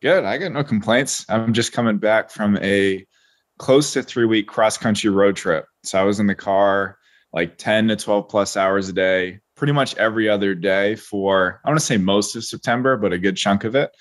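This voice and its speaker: A man in his twenties, a podcast guest, speaking in a measured, articulate way with dry, deadpan humor and a little tiredness in his voice. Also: fairly low pitch, no room sound. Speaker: guest, online nutrition coach. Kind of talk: casual interview chat.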